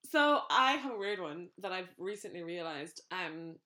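A young woman, half French, muses about attraction in relaxed podcast chat. Her bright voice swings widely in pitch. She sits a little low overall. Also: moderate pace. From Ireland and France. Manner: animated, musing. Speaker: podcast co-host. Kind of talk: casual chat.

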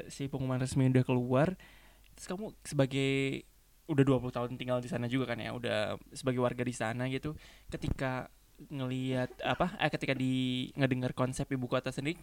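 A man hosting a casual chat, asking long, winding questions. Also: mid-range voice. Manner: asks long rambling questions, frequent short backchannels. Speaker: host.

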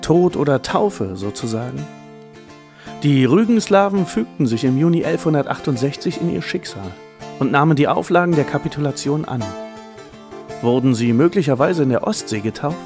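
Ein Mann spricht als Erzähler einen vorbereiteten dokumentarischen Text. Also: male voice, fairly high pitch, animated, normal speed, darkish tone, soft background music. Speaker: narrator. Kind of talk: scripted documentary narration.

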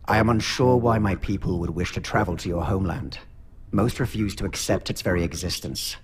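A man playing a grave outsider from an enemy people in a science fiction audio drama, formal and measured. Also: deep voice, slight background noise, natural voice. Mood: grave, uneasy.

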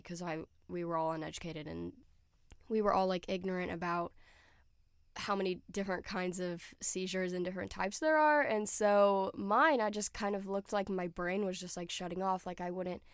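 A woman's voice: medium pitch, clear, resonant tone, no room sound, studio quality. Nasal young woman, chatty podcast host. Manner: chatty, lots of "like" and "um" fillers. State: stuffy nose from a cold. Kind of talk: casual solo podcast chat.

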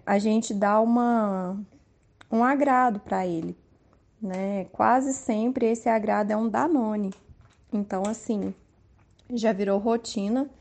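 A woman in her thirties with a Brazilian Portuguese accent, calmly sharing parenting tips from her own home life in an unhurried, soft-spoken way. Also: medium pitch, creaky. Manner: soft-spoken, unhurried, frequent tag questions. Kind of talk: calm personal testimony.

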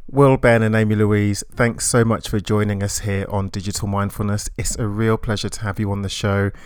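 A man hosting a podcast, reading a scripted introduction and asking interview questions in a measured, polite way. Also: fairly low pitch, level tone, clean tone, no room sound, clean studio sound. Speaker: podcast host.

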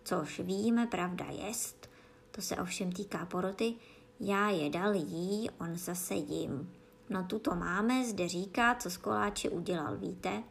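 A woman's voice: a little high, lively intonation, a little hiss or hum, close to an everyday voice. A woman voicing a pompous, fussy king who mutters to himself in a storybook reading. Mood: pompous muttering. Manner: muttering, self-satisfied. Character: pompous fussy old king of a card court.

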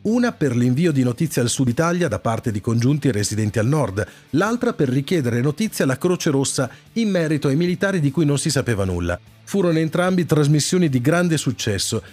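A man's voice: mid-range voice, darkish tone. A man hosting a radio show, reading scripted historical-style narration in the manner of a presenter. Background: background music.

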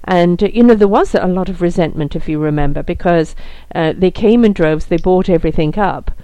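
A woman's voice: lowish voice, brisk, warm tone, smooth, no echo. A woman hosting a casual conversation, chatty and leaning on filler phrases. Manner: chatty, leans on "you know".

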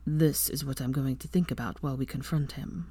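Woman voicing a hushed, protective young wizard. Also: fairly even intonation, fairly quick, breathy edge, no echo, heavily acted. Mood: low, possessive. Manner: low, hushed delivery. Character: young adult male wizard, protective and possessive.

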